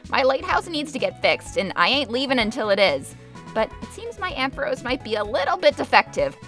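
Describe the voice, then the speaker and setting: A woman plays a grouchy cartoon gym leader with a fairly high, very animated voice. She is brash, snappy and sarcastic, sure of herself, with faint music behind. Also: brisk. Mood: irritated, smug. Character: irritable, gullible, lazy young woman gym leader. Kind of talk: animated parody voice acting.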